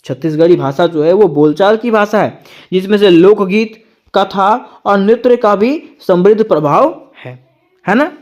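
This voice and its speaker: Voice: mid-range voice, animated, unhurried, a little mellow, muffled recording. Teacher, exam-prep lecture, reads notes aloud, asks the class a question, answers it, repeats key terms. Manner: reads from notes, then explains in plain words.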